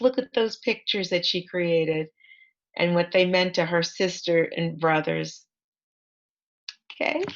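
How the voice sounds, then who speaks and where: A woman author reading her picture book aloud to children in an expressive storytime manner, with asides to point things out. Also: fairly high pitch, muffled recording. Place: online library event.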